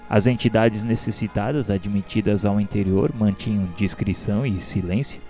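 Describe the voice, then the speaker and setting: A man with a Brazilian accent playing an earnest, curious spirit pupil who narrates a radio drama in a measured, formal, solemn way. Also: lowish voice, warm tone, natural voice. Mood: earnest, reverent. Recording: music behind the voice.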